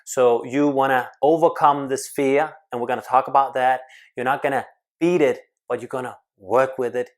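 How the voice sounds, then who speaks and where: Energetic man coaching on speaking. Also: medium pitch, moderate pace. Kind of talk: advice talk to camera.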